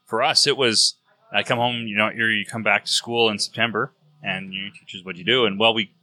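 A man's voice: on the low side, fairly even intonation, fairly quick, sharp tone, dry recording. A man co-hosting a podcast, telling stories in casual chat. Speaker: podcast co-host.

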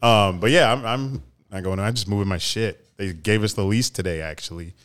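A man's voice: fairly low pitch, moderate pace, fairly bright tone, clear, resonant tone. A young adult man co-hosting a casual podcast, talking informally with slang and some swearing. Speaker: podcast co-host.

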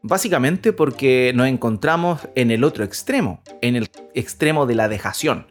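A man's voice: mid-range voice, lively intonation, moderate pace, soft background music. A man co-hosting a Christian parenting podcast, talking earnestly and rambling with many restarts and repeated words. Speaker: podcast co-host.

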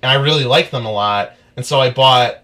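A man's voice: mid-range voice, fairly quick. Rambling young man musician. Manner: rambling, animated storytelling. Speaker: musician guest. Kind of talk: casual interview chat.

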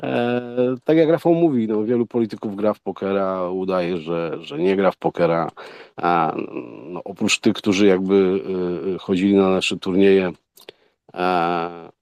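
A man giving informal remarks as a guest speaker, halting and rambling, often repeating his words. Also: sits low, lively intonation, vocal fry, a little mellow, no echo, lo-fi sound. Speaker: poker event co-organizer, guest speaker.

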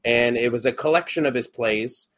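A man's voice: mid-range voice, normal speed, a bit bright. Hesitant young man, lots of ums. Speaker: podcast co-host and actor. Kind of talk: casual podcast chat.

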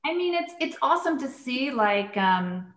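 A woman's voice: high-pitched, big pitch swings, moderate pace. A woman hosts a casual interview, chatty and loose, peppering her questions with "like" and "you know". Her voice rings in a roomy, echoey space. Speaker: interviewer, host.

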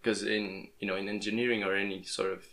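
A young man whose first language is Portuguese talks casually into his podcast microphone. His voice sits low and stays flat, and he often stumbles and restarts his words as he goes. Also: quick pace. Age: young adult. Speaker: podcast host. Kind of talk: casual interview chat. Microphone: plugged-in podcast microphone.

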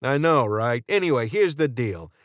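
A cocky male gunman, acted by a male audiobook narrator, pitched well up from a middle register. He is glib and flippant, tossing out slang with casual sarcasm. The sound is dry and close. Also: animated, moderate pace, dry recording, natural voice. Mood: breezy, bargaining. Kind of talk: audiobook character dialogue.

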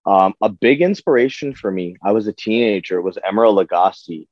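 Man, low voice, slangy podcast guest chat, dry close sound, slightly dull recording. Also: animated, fairly quick, darkish tone, no echo. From Toronto, Canada. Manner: slangy, peppers talk with "bro" and "man". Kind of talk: casual conversational interview.

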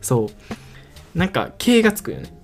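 A young man from Osaka with a Kansai accent, co-hosting a casual couple podcast in a relaxed, rambling way with lots of fillers. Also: on the high side, moderate pace, soft background music. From Osaka, Japan. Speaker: podcast co-host.

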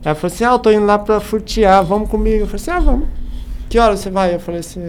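A man's voice: high voice, racing. Brazilian man telling stories over background noise. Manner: animated retelling with acted-out dialogue. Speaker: podcast guest. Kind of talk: casual anecdotal storytelling.

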